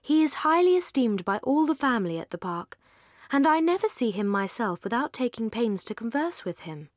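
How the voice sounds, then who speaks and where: A woman with an English accent voicing a sensible, fair-minded young Regency gentlewoman in a storybook, measured and reproving. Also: on the high side, sing-song, no room sound, studio quality.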